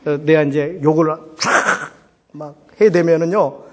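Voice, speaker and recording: In the echoing space of a large church hall, a middle-aged pastor from South Korea shares personal stories as a sermon, chatting with the congregation and frequently asking rhetorical questions. His voice is on the high side, steady and unhurried.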